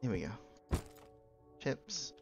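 A man chats casually while livestreaming a game, in a middle-pitched voice. He mutters short reactions to himself, with clear music playing behind him. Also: wildly swooping pitch, takes it slowly, lo-fi sound. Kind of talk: casual gaming stream commentary.

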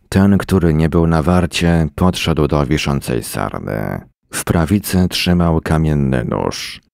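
Deep gravelly male storyteller. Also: a little mellow, no room sound, clean studio sound. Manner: measured, dramatic storytelling. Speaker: reader. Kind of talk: scripted narration of a short story.

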